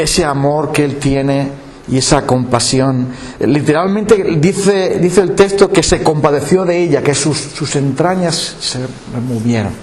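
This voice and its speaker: A man preaching a sermon in a lively, dramatic way, acting out the voices he quotes. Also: fairly high pitch, echoey room, a little hiss or hum. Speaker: pastor.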